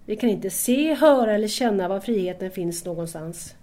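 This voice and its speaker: A woman's voice: mid-range voice, expressive, mellow, natural voice. A woman playing a curious, shy young student in an audio drama, speaking politely in a tentative, questioning manner. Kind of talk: audio drama dialogue acting.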